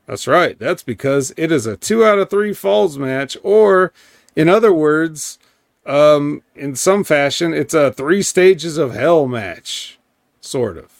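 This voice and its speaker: A man hosting a casual podcast, recapping wrestling at an unhurried pace. He rambles and drops sarcastic asides, with plenty of ums. His voice is close and dry, with no room sound around it. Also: on the high side, dry recording. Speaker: podcast host.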